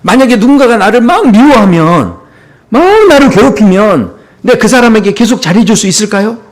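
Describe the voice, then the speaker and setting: Male pastor preaching sunday service, kinda high voice that jumps around a lot, chatty and jokey with the congregation. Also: very animated, brisk. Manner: conversational, humorous preaching with frequent "예" asides. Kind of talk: sermon.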